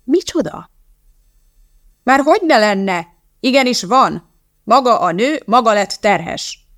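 A woman reading an audiobook, voicing an indignant male institute director who shouts in outrage. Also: fairly high pitch, expressive, pitched above the performer's own voice. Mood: outraged shouting.

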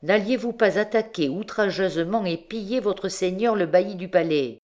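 A woman's voice: medium pitch, moderate pace, darkish tone, voice pushed up, close to an everyday voice. A woman reading the part of a scheming, suspicious old king who muses darkly and barks orders, in an audiobook. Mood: commanding. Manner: musing, then barking orders.

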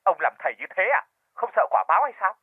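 A man's voice: sits high, big pitch swings, slightly rough, no echo, phone-quality sound, voice pushed up, heavily acted. A man playing a shrieking furious widow. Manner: screaming rapid-fire accusations. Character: furious widow, shrill and accusing.

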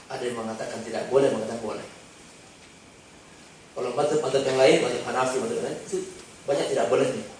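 A male preacher giving a sermon full of stories, animated and swinging between hushed and emphatic. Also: mid-range voice, fast, pauses often, a little hiss or hum. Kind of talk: sermon with storytelling. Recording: echoey hall from far off.

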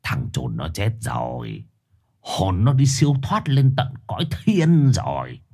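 A man voicing a sly old male shaman who lectures sternly and insists with a husky voice. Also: low-pitched, huge pitch swings, slow pace, a little mellow, heavily acted. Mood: stern accusing.

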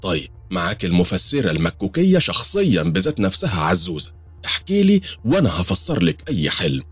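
A fussy, motherly old Egyptian maid , put on by a male narrator, chattering in a high, husky voice. She boasts and brushes off questions at a brisk pace. The voice comes across close and dry. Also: wildly swooping pitch, dry recording, soft background music, full character voice. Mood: teasing. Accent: Egyptian Arabic. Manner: fussy, boastful, fast-talking.

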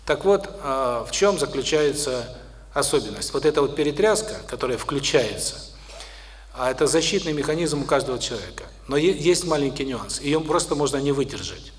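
A middle-aged man giving a spoken lecture to an audience, unhurried, with many pauses and restarts. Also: medium pitch, lively intonation.

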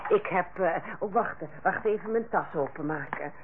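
An actress playing a proud, blunt, middle-aged head nurse with a curt, dry manner, in an old radio play. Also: female voice, fairly low pitch, normal speed, background noise, lightly acted. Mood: brisk, friendly. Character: proud, blunt, sharp-tongued female head nurse, an aunt. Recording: dull old radio recording.

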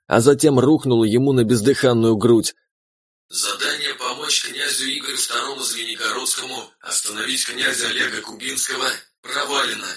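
A man narrating a fantasy game novel in the first person with measured, steady storytelling. His mid-pitched voice is recorded close and dry, with no room sound. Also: dry recording. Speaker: audiobook narrator.

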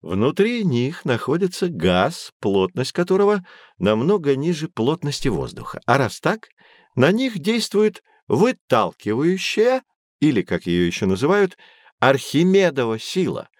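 A knowledgeable professor who explains things calmly to children. His husky voice moves lively up and down. The recording is dry and close. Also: fairly high pitch, unhurried, no echo. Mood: explaining. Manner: calm, explanatory. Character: patient, knowledgeable male professor. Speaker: explaining guide in an audio encyclopedia. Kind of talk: scripted educational narration.

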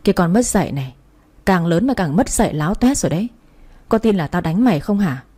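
A woman's voice: fairly low pitch, lively intonation, fast talker, dark tone, breathy edge. A woman voicing a short-tempered mother who scolds her daughter and turns timid before her husband. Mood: scolding. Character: harsh, short-tempered mother of two girls.

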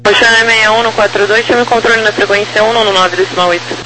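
High-pitched Brazilian male air traffic controller. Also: fairly even intonation, quick pace. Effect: aviation radio. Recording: noisy humming radio transmission.

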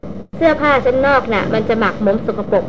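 Woman doing a snappy young noble lady doctor, high and haughty, audiobook over vehicle noise. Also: brisk, highs cut off, natural voice. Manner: snappy, scolding.

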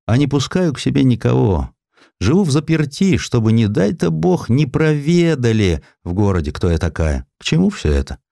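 Lonely, impoverished elderly widow, played by a man, gentle, plaintive, simple old-fashioned phrasing, expressive intonation, radio storytelling. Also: mid-range voice, normal speed, gravelly, dry recording, studio quality, pitched above the performer's own voice. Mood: guarded, wistful. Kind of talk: Russian audio drama storytelling.

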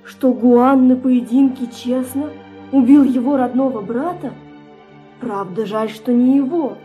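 A woman's voice: on the high side, unhurried, narrow, tinny audio, soft background music, close to an everyday voice. A woman playing a proud, passionate young actress, theatrical and capricious, in a classic verse radio drama. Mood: angry, defiant. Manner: theatrical, expressive.

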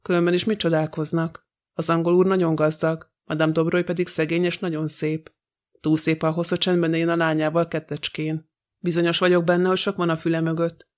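A man's voice: a little high, natural voice. A man reading an audiobook, voicing a sly, gossipy old female housekeeper who talks with scorn. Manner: grumbling, scornful.

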